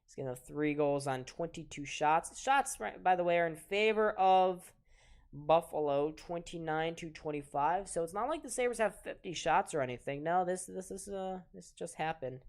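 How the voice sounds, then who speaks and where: An eighteen-year-old man with a soft voice, casually calling live hockey play-by-play on a stream and chatting with viewers between plays. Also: on the high side, normal speed. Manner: chatty, reads chat aloud and talks to viewers between plays. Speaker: play-by-play commentator and stream host.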